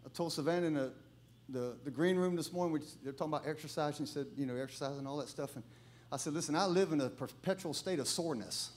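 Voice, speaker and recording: A middle-aged male pastor, preaching a sermon full of humorous, animated stories and bursts of shouting. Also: on the high side, quick pace, a little hiss or hum. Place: church.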